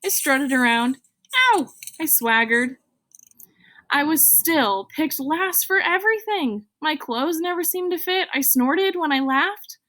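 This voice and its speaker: A woman voicing a self-doubting, uncool little bean who tells his own story in an expressive, confiding storybook delivery. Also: high voice, measured pace, voice pushed up, full character voice. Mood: self-deprecating, glum.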